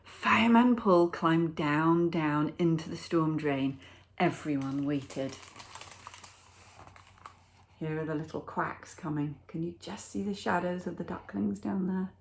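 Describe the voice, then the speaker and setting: A woman teacher reading a picture book aloud to children, with expressive, deliberate storytelling and dramatic pauses. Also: sits low, vocal fry, a little hiss or hum.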